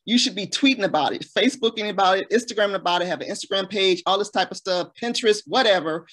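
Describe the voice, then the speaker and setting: A woman's voice: medium pitch, quick pace, fairly bright tone. A woman who makes audio dramas, giving earnest, practical advice in a casual panel talk.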